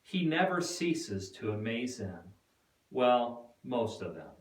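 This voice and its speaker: A man giving a dramatic scripted narration with deliberate, expressive storytelling. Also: medium pitch. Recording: echoey room, distant mic.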